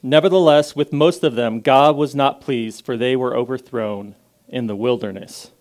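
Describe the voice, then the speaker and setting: Casting: man, guest preacher, loud and casual, clear and smooth tone. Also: medium pitch, moderate pace. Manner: loud, casual and self-deprecating, reads scripture with rising emphasis, prays softly. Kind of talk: informal sermon with scripture reading and prayer.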